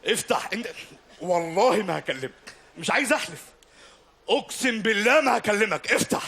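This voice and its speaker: A man's voice: high voice, animated, fairly quick, full character voice. A man playing a bullying father who coaxes and rants insistently in a stand-up comedy act. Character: bullying, coaxing father tricking his son. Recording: noisy live stage, loud audience.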